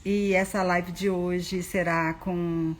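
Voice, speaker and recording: A woman from Goiânia in Brazil, hosting a live video interview and chatting warmly while telling stories. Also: on the low side, little pitch movement, takes it slowly, a little hiss or hum. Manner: chatty, storytelling, laughs easily. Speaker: host.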